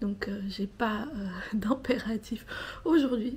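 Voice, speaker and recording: Over noticeable background noise, a woman talks at a very slow pace. Her intonation stays fairly even. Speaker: vlogger. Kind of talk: casual vlog talk. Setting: at home in the apartment, early morning. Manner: whispering, speaking very quietly.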